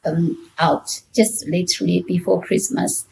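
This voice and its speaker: A woman with a Chinese accent chatting as a podcast guest in a halting, hesitant way. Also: on the low side, flat delivery, creaky, darkish tone, slight background noise, rough recording. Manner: halting, hesitant, many short restarts. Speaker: podcast guest, technical author. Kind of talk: casual interview chat.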